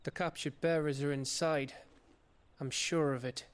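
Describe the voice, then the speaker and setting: An actor playing a cheeky, eager young scout and loyal sidekick in a video game. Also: male voice, on the high side, fairly even intonation, measured pace, clear, resonant tone, lightly acted. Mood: earnest. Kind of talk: cinematic game cutscene acting.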